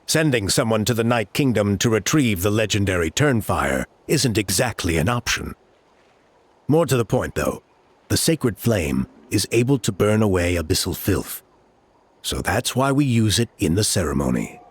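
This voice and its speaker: A patient low-voiced tribal guide. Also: male voice, very animated, moderate pace, slightly rough. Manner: patient, explanatory, with a wry chuckle. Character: male tribal guide explaining a sacred rite, patient and composed. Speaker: ceremony guide. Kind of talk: video game voice acting.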